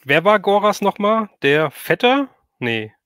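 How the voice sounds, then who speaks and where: Bright-voiced man hosting a casual chat. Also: high-pitched, very animated, a little slow, smooth, dry recording, clean studio sound. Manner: rambling questions, frequent affirming interjections. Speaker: livestream host, interviewer.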